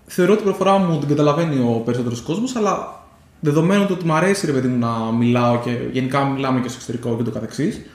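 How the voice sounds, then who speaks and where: A Greek-speaking podcast co-host with a mid-range voice rambles through a casual chat, full of fillers and restarts. The room is echoey, with faint noise.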